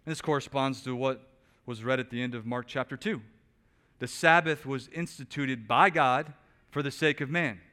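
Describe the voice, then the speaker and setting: A man preaching a sermon, asking rhetorical questions and swinging between quiet, low stretches and loud, emphatic bursts. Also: normal speed. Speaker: pastor. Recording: long reverb of a large hall.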